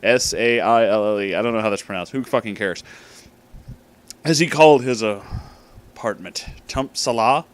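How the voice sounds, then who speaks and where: A man's voice: fairly low pitch, moderate pace, pauses often. A man hosting in a casual, informal way, with emphatic, dramatic delivery. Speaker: host reading fan fiction aloud. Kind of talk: casual comedic storytelling.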